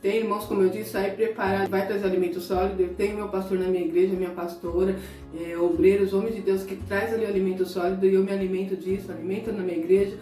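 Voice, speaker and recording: A woman's voice: medium pitch, level tone, quick pace. A middle-aged woman preacher from Brazil giving an emotional sermon-style talk, speaking straight to her viewers and at times close to tears. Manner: conversational, addresses listeners directly. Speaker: evangelical preacher. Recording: echoey room, distant mic, soft guitar music.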